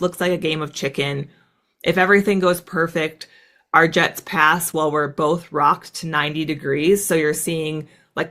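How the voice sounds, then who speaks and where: Chatty woman telling a flying story. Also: lowish voice. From United States. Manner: fast, animated, lots of "like" fillers. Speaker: guest, former fighter pilot. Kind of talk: casual storytelling interview.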